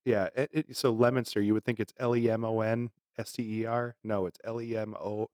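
A man's voice: lowish voice, level tone, brisk, darkish tone, dry recording, studio quality. Laughing, rambling podcast co-host man. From Massachusetts. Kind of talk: casual chat.

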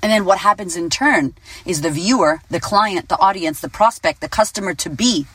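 A woman in her late thirties, a business coach giving a casual motivational talk, blunt and animated, swearing freely. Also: on the low side, moderate pace, slightly rough, no echo. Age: 30s. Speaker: business coach and podcast host.

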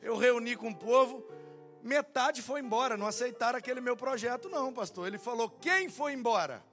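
Pastor guy, high voice, acts out convos in his sermon, soft music under. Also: fairly quick. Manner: animated, acts out dialogue in quotes. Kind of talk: sermon storytelling.

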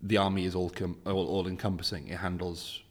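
A man's voice: low-pitched, flat delivery, brisk, long reverb tail. A man hosting a casual interview podcast, chatty and rambling, with lots of restarts in his questions. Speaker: podcast host.

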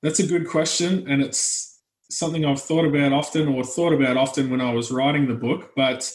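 A man, a guest author, heard over a tinny, low-quality computer call and speaking thoughtfully with filler pauses. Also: steady tone. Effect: tinny low-quality computer call audio. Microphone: computer connection from home. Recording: tinny, roomy internet call line.

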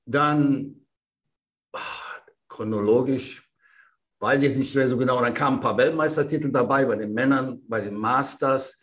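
A German man in his sixties, a veteran bodybuilder telling anecdotes as a podcast guest in a lively, animated way. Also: medium pitch, moderate pace. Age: 60s. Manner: lively storyteller who acts out sounds and quotes. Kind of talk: casual anecdotal storytelling.

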